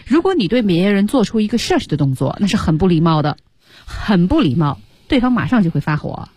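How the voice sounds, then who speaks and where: A woman co-hosting a radio English lesson, chatty and adding comments in a slightly husky voice. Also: mid-range voice, sing-song, brisk, warm tone, no room sound, clean studio sound. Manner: chatty, adds comments and points out sound links. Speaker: co-host teacher.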